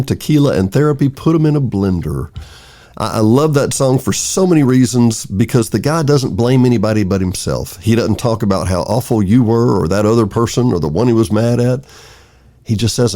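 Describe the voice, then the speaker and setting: A man hosting a local radio show, talking in a lively, conversational way as he introduces songs and guests. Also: lowish voice.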